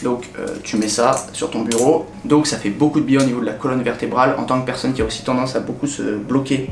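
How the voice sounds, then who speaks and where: A young French man in a casual vlog, chatting directly to the viewer in a relaxed way with many hesitations. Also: medium pitch, quick pace, vocal fry. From France. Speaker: vlogger. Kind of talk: casual talk to camera. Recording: echoey room with faint ambient noise.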